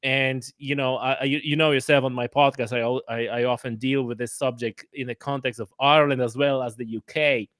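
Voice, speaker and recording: A man from Poland with a Polish accent, explaining things haltingly as a guest in a casual interview. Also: medium pitch, fairly even intonation, a bit bright, no echo, studio quality. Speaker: podcast guest.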